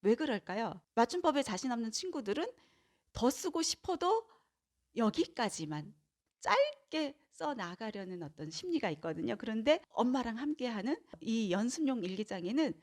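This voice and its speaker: Lively high-voiced woman explaining. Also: moderate pace. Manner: animated, acts out parent-child dialogue. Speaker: parenting educator and author. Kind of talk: explaining to viewers.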